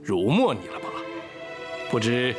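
An actor playing a genial, scheming official in a period drama, speaking in an officious, coaxing and effusive way. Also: male voice, mid-range voice, big pitch swings, a little slow. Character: scheming genial official, male army inspector matchmaking over wine. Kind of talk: Chinese period drama acting. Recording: loud background music.

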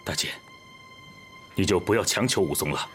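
An actor playing an earnest, modest warrior in a period drama, deferential and politely reluctant. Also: male voice, low-pitched, normal speed, lightly acted. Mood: pleading, deferential. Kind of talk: Chinese period drama acting. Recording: very loud background music.

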